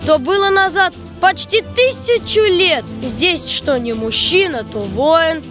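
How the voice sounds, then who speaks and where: A woman playing a lyrical reciter of children's verse in a cartoon, with a measured, declamatory delivery. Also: very high voice, lively intonation, over music, exaggerated voice. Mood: solemn, proud. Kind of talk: poetry recitation.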